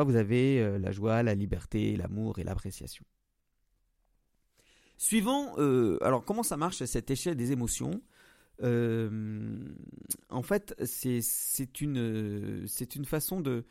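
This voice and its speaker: A man's voice: mid-range voice, vocal fry, darkish tone, no room sound, studio quality. A man hosting a solo podcast, talking straight to the listener with many hesitations and restarts. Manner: addresses listener directly. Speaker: podcast host. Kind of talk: solo podcast monologue on emotions.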